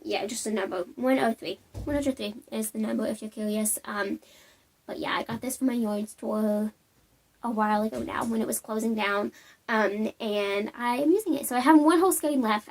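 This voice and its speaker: Brief: young woman hosting a knitting vlog, slightly sniffly, friendly chatty delivery, a bit high. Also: a little mellow. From Alabama, US. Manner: chatty, upbeat, lots of ums and likes. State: sniffly from a cold. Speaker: knitting podcast host. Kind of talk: casual show-and-tell vlog.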